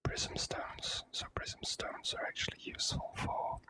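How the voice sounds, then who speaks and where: An ASMR host whispers commentary over a video game playthrough, speaking in a hesitant, measured way and choosing formal words.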